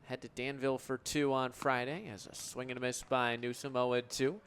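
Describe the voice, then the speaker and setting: A man's voice: mid-range voice, level tone, normal speed, a bit bright, clean tone. A young American man in his twenties calling sports play-by-play for radio in articulate, flowing descriptive calls. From United States. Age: 20s.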